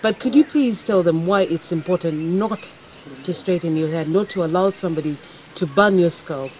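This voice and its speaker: A woman hosting a morning talk show, steering her guests with measured questions. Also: on the low side, a little mellow, slight background noise, poor audio.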